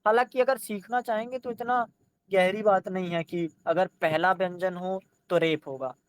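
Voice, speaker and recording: A man's voice: high-pitched, fairly even intonation, normal speed, clear, resonant tone. A man teaching an exam-prep lesson, sounding out letters one by one and urging students to try them. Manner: addresses students directly, coaxing them to try.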